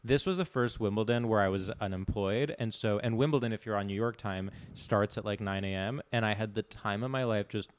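A man from Greece with an American accent, chatting casually as a comedic podcast guest, animated and digressive, acting out what people say. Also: fairly low pitch, a little fast, hardly any pauses, slight background noise. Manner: animated, digressive, acts out quoted remarks.

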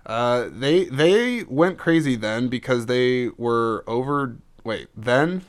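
A man's voice: medium pitch, lively intonation, takes it slowly. A man chatting casually as a co-host, rambling, restarting his sentences and reading things aloud from web searches. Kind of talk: casual chat.

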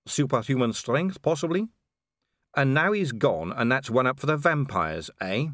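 Brief: male narrator as a sly aristocratic vampire lady, audiobook; cool, unhurried, faintly mocking. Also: mid-range voice, animated, a bit bright, no room sound, clean studio sound, voice pushed up, lightly acted. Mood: smooth, courteous. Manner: cool, drawling, amused and poised. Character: calm, elegant, sly female vampire noblewoman. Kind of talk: audiobook character reading.

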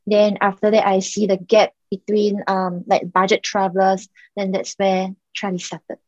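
A woman's voice: mid-range voice, monotone, normal speed, no echo. Young Singaporean woman founder; casual, filler-heavy talk, dry slightly muffled recording. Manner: chatty, many "like" and "um" fillers. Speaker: startup founder, guest. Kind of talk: casual podcast interview.

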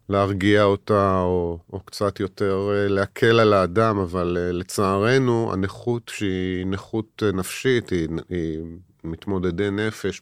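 Low-voiced halting man in his fifties. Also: clear, resonant tone, no room sound, clean studio sound. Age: 50s. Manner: halting, many hesitations and restarts; earnest, heavy. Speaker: guest, author and army veteran. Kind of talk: personal interview talk.

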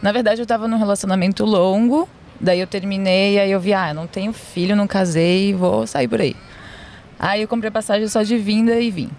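A woman's voice: medium pitch, steady tone, a little fast, a little mellow, a little hiss or hum. A woman from telling her story as a podcast guest. She speaks frankly and casually, with slang and the odd swear word. Faint background ambience is heard. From Florianópolis, Brazil. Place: outdoors near a beach.

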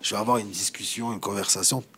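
A man's voice: on the low side, steady tone, quick pace, pushed and bright, a little hiss or hum. A man talking as a rapper guest in a casual interview. He is laid-back, keeps asking "you know what I mean" and slips into English.

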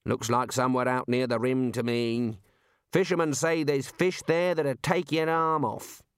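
A man voicing a gloomy, fretful older male wizard who speaks in a deadpan way. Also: medium pitch, measured pace, smooth, no echo, clean studio sound, natural voice.

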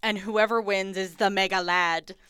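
A woman's voice: medium pitch, steady tone, normal speed, sharp tone, clear, resonant tone, no echo. A woman hosting a podcast, giggling often as she casually recaps a reality show. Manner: giggly, frequent laughing. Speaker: podcast host.

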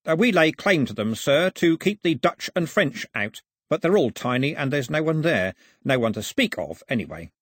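A man voicing a mild, polite gentleman aide who speaks deferentially and with measured hesitation in an audiobook. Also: fairly high pitch, big pitch swings, slightly rough, dry recording, clean studio sound, voice pushed up, full character voice. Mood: hesitant, factual.

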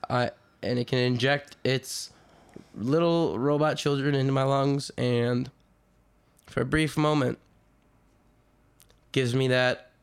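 Stammering young man, smooth voice. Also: mid-range voice, slow, pauses often. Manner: stammering, deadpan jokes. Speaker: podcast guest. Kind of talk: casual comedic chat.

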